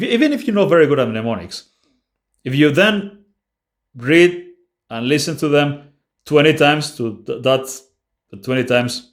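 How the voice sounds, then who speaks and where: A man hosting a casual language-learning Q&A, answering viewer questions bluntly and offhandedly with frequent restarts. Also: mid-range voice. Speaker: language-learning channel host.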